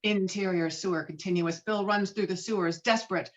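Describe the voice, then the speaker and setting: Woman narrating a script at an online table read, expressive storyteller style, kinda dull lo-fi sound. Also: fairly low pitch, brisk. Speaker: stage directions reader at a table read. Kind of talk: dramatic screenplay narration. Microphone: video call.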